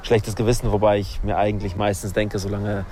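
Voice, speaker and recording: A man who is a father and an author, musing in a relaxed, rambling way in a street interview outdoors. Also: lowish voice, a little fast, a little hiss or hum.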